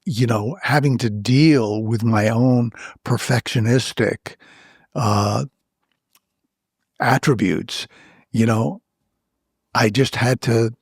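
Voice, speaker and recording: An older man with a slightly husky voice speaks slowly and thoughtfully as an author being interviewed. He pauses often and fills the gaps with "you know". The sound is close and dry. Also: mid-range voice, dry recording. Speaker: author and guest. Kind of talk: reflective interview storytelling.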